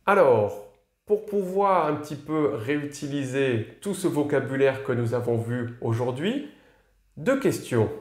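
Guy teaching a language lesson, slow and careful, spells stuff out, roomy echo. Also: mid-range voice, animated. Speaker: French teacher. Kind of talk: video lesson.

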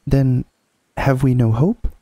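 A man's voice: mid-range voice, steady tone, slow, dark tone, no echo, pitched above the performer's own voice. A man voicing a worried young girl in a storybook, anxious, urgent and questioning. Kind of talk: storybook character voice.

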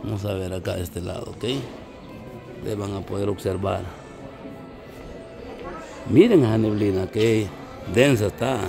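A man from El Salvador with a Salvadoran accent, vlogging casually outdoors on a misty mountain and talking warmly to his viewers as friends. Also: on the low side, steady tone, measured pace, vocal fry, pauses often, over music. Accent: Salvadoran Spanish. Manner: chatty, addresses viewers as little friends. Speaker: travel vlogger. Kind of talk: casual vlog narration.

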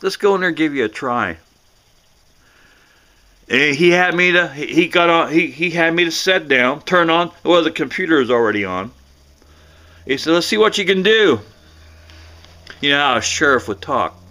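A middle-aged American man telling a personal story casually to camera in a folksy, halting way, often repeating himself. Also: a little high, pushed and bright. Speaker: vlogger.

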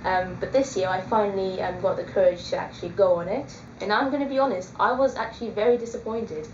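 Here a twenty-something vlogger speaks fast in a mid-range, darkish voice with fairly even intonation, hesitating and saying um frequently as she chats casually to her webcam. Slight background noise is present. The small indoor room echoes, and the webcam sound is dull and lo-fi.

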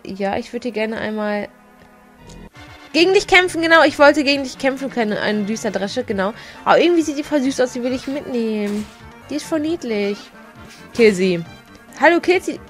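A woman gives casual commentary while playing a video game, chatty and giggly. Her voice sits a little high, and she often trips over her words. Faint game music plays underneath. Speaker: let's play gamer.

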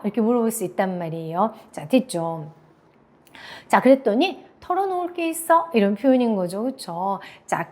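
A middle-aged woman teaching English, who says example phrases slowly and keeps checking in with her listeners. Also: on the high side, darkish tone. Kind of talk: classroom lecture.

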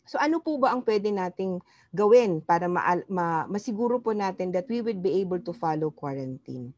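A woman's voice: on the low side, expressive, brisk, darkish tone, no echo. A middle-aged woman with a Filipino accent giving a formal, polite explanatory presentation as a physician over a video call. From Philippines. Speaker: public health physician speaking at a press briefing. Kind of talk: formal slide presentation, appeal. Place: indoor room, on a video call. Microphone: wired earphone mic on a video call.

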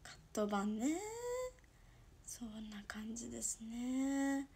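A young woman from Toyama with a Toyama dialect, chatting casually on her livestream and reacting to viewer comments, dropping to soft murmurs and then bursting out brightly. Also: on the high side, steady tone, a little slow, vocal fry, slightly rough. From Toyama, Japan. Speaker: idol livestream host.

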